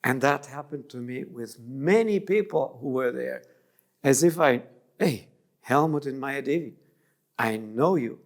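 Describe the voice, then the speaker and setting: With a medium-pitched, expressive voice, the German interview guest talks a little slowly. The middle-aged man reflects thoughtfully and restarts phrases in the middle of sentences.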